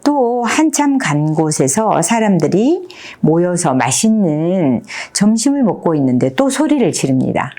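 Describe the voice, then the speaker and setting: A woman's voice: on the low side, measured pace. A woman in her fifties, a teacher, talks through a picture book and keeps asking her listeners questions. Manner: animated storytelling, asks the audience questions. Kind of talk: picture-book talk to an audience.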